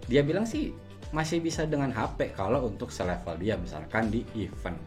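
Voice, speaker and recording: A male review host talks in a conversational, explanatory manner. His pitch is ordinary for a man. Light music plays faintly behind him as he walks viewers through his opinion in casual language. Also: expressive, moderate pace, a little mellow. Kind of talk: casual scripted-feel gadget review to camera.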